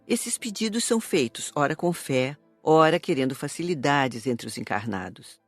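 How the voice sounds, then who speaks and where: A woman with a Brazilian accent playing a calm, didactic spirit teacher in an audiobook drama. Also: sits low, dry recording, faint music behind. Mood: instructive, earnest. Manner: didactic, measured.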